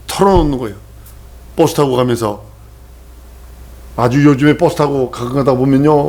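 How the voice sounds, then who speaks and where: A man's voice: mid-range voice, darkish tone. A male pastor preaching a sermon with emphatic repetition, often turning to ask the congregation questions.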